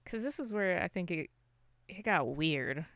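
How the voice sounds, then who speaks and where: A woman's voice: on the low side, lively intonation, measured pace, fairly bright tone, dry recording, clean studio sound. A woman co-hosting a podcast, chatting casually about movies in a wry, informal, rambling way. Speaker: podcast co-host.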